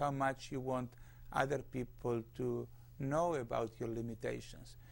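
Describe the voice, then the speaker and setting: This man speaks with a strong non-native accent at a moderate pace. The recording is very clean, with a silent background. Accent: foreign accent, strong. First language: not English. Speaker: rabbi and author. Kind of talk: interview conversation. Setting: TV studio.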